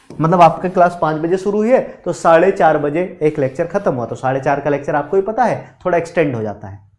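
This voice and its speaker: Animated male chemistry teacher, echoey room. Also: a little high. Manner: animated, quizzing students, mixes Hindi with English terms. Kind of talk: live online lecture. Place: studio classroom.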